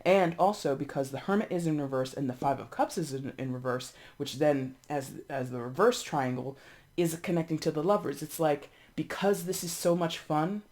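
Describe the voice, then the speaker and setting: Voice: mid-range voice, normal speed, darkish tone. Stuffed-up tarot reader, thirties, chatty and blunt, swears a bit, says stuff like go go go. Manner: blunt and chatty, swears, repeats words for emphasis. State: congested, sniffling. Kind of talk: casual tarot reading.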